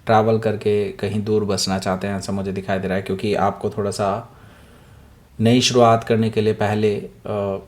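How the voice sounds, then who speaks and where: A man gives a casual tarot reading, mixing in English phrases and many fillers, his throat sore and husky today. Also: fairly low pitch, flat delivery, normal speed. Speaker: tarot reader.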